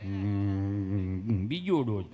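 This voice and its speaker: A man voicing a timid village man who stammers heavily, in a low hesitant mumble. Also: very animated, quick pace.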